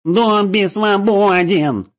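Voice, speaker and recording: A man's voice: mid-range voice, big pitch swings, a little slow, a little mellow, voice pushed up. A man voicing a shrieking, manic male game creature who laughs wildly and curses. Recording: dull lo-fi recording.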